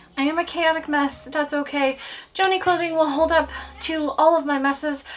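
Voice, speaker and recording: Over noticeable background noise, a woman talks in a high pitch with monotone, flat intonation. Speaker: fashion YouTuber. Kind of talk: casual try-on chat. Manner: fast.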